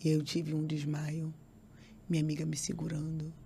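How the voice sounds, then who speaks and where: A woman's voice: low voice, monotone, normal speed, gravelly, mellow, slight background noise. A woman, a podcast guest giving an emotional faith testimony, repeating phrases and acting out other people's voices.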